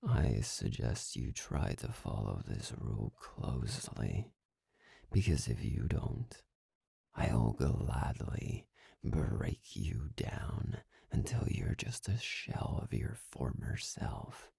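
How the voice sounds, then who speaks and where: A man acting an arrogant, domineering master in an intimate ASMR roleplay, slow and condescending, with a breathy, gravelly voice that often drops into a whisper. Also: very deep voice, big pitch swings, warm tone, dry recording, studio quality, full character voice. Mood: cold, commanding. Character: arrogant, domineering young male master, cold and mocking.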